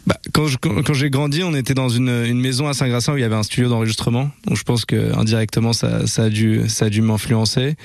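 A young man, a musician guest, answering casually in a relaxed, halting way and repeating words. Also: mid-range voice, creaky, dry recording, studio quality.

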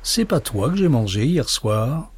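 A man doing an excitable little boy. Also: mid-range voice, measured pace, breathy edge, voice pushed up, full character voice. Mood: indignant. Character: young boy, cheeky and easily startled.

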